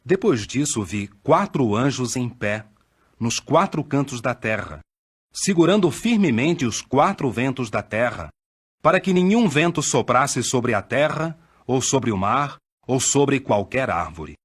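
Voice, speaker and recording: A man giving a solemn, declamatory scripture reading, measured, with dramatic swells. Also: mid-range voice, very animated, husky. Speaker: scripture reader.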